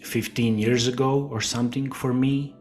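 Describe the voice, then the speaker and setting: A middle-aged man from Croatia, a guest speaking slowly and hesitantly with many fillers in a casual interview. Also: medium pitch, fairly even intonation, darkish tone, faint music behind.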